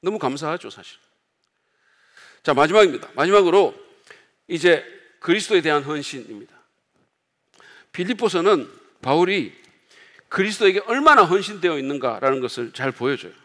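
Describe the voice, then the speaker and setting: A man preaching as pastor to his congregation, in a conversational sermon style, loudly acting out the quoted outbursts of others. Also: fairly high pitch, big pitch swings, normal speed, long pauses, in a large hall. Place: church sanctuary.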